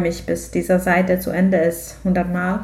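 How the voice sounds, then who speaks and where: With a non-native accent, the speaker sounds somewhat breathy and monotone, with flat intonation and audible room echo. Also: woman. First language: not German (speaking German). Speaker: podcast co-host. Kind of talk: casual chat. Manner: halting.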